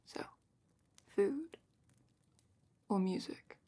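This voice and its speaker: A woman playing a calm, attentive dragon matchmaker in a slow, whispered ASMR roleplay with thoughtful pauses. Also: mid-range voice. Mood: calm, curious. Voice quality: breathy, whispery. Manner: slow, gentle, thoughtful questioning with murmured pauses. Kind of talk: soft-spoken ASMR roleplay, largely whispered.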